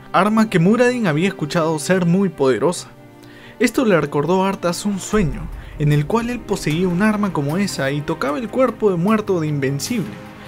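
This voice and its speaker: A man narrates game lore from a script. His voice sits somewhat high for a man. Faint music runs underneath.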